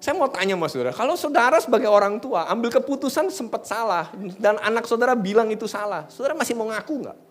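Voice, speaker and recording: A middle-aged male pastor preaching a sermon, telling a personal story in a humorous, conversational way, at times dropping to hushed tones. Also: very high voice, lively intonation, fast talker, few pauses, faint music behind.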